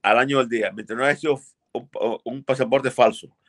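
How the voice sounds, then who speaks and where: Blunt older lawyer on a video call. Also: male voice, medium pitch, steady tone, a little fast, dry recording. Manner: emphatic, blunt, repeats for stress. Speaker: immigration lawyer. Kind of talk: expert answering viewer questions. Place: home office with framed pictures.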